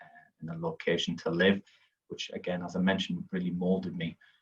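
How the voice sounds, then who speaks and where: A man with a northeast English accent, very deep and low in pitch, fairly even in intonation, at a fairly quick pace. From northeast England (Hartlepool). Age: 30s. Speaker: housing company founder. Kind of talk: presentation. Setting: virtual festival talk. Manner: halting, frequent fillers and repetitions.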